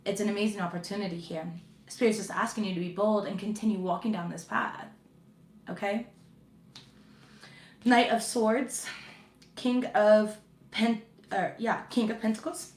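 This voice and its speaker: A woman's voice: mid-range voice, steady tone, moderate pace, pauses often, a little mellow, reverberant. A woman reading tarot cards to her viewers in a chatty, reassuring way, with frequent fillers and check-ins. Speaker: tarot reader.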